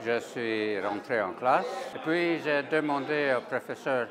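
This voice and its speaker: A man's voice: medium pitch, unhurried. A man in his seventies, a native Swedish speaker, fluently telling an anecdote with dry humor. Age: 70s. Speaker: alumnus. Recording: busy reception crowd behind.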